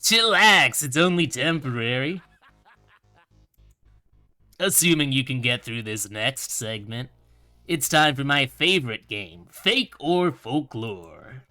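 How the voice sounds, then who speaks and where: A man's voice: mid-range voice, expressive, bright, forceful tone, no echo, soft background music, full character voice. A man voicing a sinister undead game show host in a visual novel game, showy and gleefully menacing. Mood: gloating. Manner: showy, drawn-out presenter delivery. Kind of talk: theatrical game show hosting.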